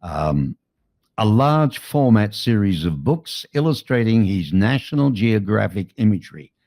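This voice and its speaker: A man's voice: on the low side, very animated, measured pace, darkish tone, no room sound, clean studio sound. An Australian man hosting a casual interview show in a chatty, matey, colloquial way. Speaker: show host.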